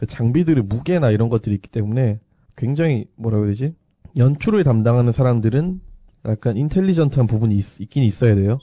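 A man speaks at a fairly quick pace and a medium pitch, with lively intonation and a dark, mellow, somewhat breathy tone. The sound is dry and close with no echo, over a quiet background. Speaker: podcast co-host. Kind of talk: casual chat.

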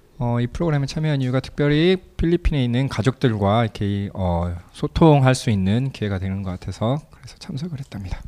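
The man's voice has a dark, mellow tone and lively intonation. His loudness swings widely. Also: medium pitch for a man, moderate pace, hardly any pauses. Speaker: migrant workers' center staff member. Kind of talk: group introductions with interpreting.

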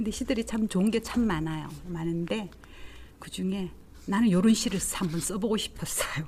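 A woman at a moderate pace, somewhat breathy, with medium pitch, ordinary pitch variation and big swings in loudness. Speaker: reading group participant. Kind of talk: poetry reading aloud.

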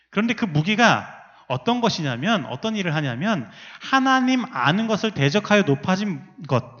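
The man talks at a moderate pace, his intonation lively. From South Korea, Yongin. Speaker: pastor. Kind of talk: sermon.

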